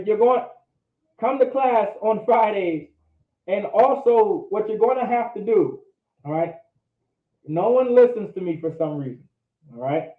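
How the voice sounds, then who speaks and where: A man teaching a language class, often checking in with "all right?" and pressing his points. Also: high voice. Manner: repeats "all right?" to check understanding, emphatic. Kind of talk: classroom lecture. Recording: echoey room, phone-like audio.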